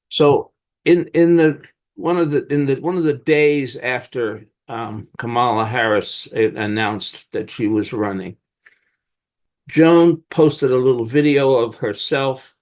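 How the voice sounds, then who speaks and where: Older man giving a halting dharma talk. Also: medium pitch. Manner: halting, searching, many restarts. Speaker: Zen teacher leading discussion. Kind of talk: dharma talk and group discussion.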